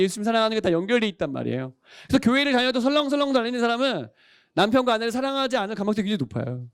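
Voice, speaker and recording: Animated male pastor preaching, high swooping voice, clear and dry. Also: no room sound. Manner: animated, quizzes the congregation and calls for amens. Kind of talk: sermon. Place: church worship service.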